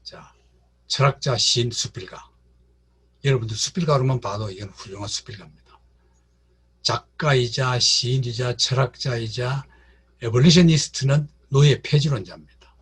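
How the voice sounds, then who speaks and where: A man delivers a literature lecture in a rough, husky voice at a middle pitch. He keeps repeating key words and speaks directly to the people in the room. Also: normal speed, long pauses. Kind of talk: classroom lecture.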